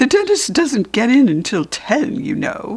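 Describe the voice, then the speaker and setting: A put-on character voice with a fairly high pitch moves at a moderate pace. Its pitch swings very widely. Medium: read story.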